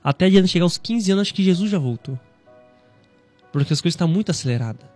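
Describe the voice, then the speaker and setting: A man in his thirties with a Brazilian Portuguese accent, hosting a devotional radio talk in a conversational, gently preaching way, often tagging lines with "né". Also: high voice, expressive, quick pace, soft background music. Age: 30s. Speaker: Christian radio presenter.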